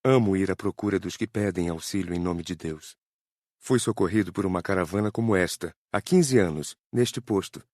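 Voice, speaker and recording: A man's voice: sits low, moderate pace, darkish tone, no echo, clean studio sound, natural voice. A man with a Brazilian accent playing a devoted, grateful spirit rescue worker in an audiobook. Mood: earnest, devoted. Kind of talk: audiobook character dialogue.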